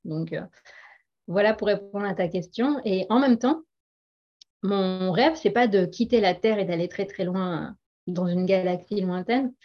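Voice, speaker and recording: A woman's voice: medium pitch, a little slow. A middle-aged woman speaking as a guest in a casual interview, earnest and hesitant, with frequent laughs. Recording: dull lo-fi audio.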